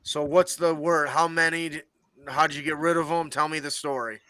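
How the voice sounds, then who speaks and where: A man voicing a curt, gruff male frost orc leader in a deep voice for a tabletop game. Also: fairly even intonation, normal speed, pushed and bright, dry recording.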